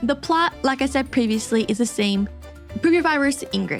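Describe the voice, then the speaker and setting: A woman's lively, fairly quick speech with music in the background. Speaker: VTuber. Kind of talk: casual gameplay commentary. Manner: fast.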